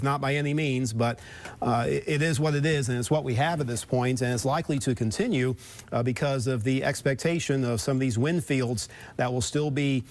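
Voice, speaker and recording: A man forecasting the weather live on TV in wordy, halting, circling phrases. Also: mid-range voice.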